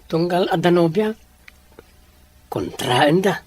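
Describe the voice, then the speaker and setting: A performer playing a young man, a devoted but resentful grandson, in a Filipino audio drama, with a husky voice and a Filipino accent. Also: sits high, expressive, slow, heavily acted. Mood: frustrated. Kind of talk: Ilocano audio drama acting.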